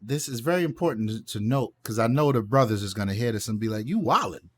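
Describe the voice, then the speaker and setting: A man's voice: mid-range voice, animated, fast talker, husky. A middle-aged man reminiscing casually as a podcast co-host, with slangy, swearing banter. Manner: slangy, profane.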